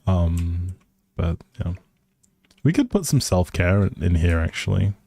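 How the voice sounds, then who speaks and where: He has a deep, mellow voice with big pitch swings and vocal fry, and he talks slowly. Playing a life simulation game live, he rambles amiably to viewers, thinking out loud, in a dry recording.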